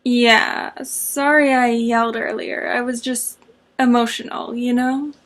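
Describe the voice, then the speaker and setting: A woman's voice: fairly high pitch, steady tone, unhurried, fairly bright tone. A woman voicing a protective young father in a horror story, earnest, shaken but tender. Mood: apologetic, shaken.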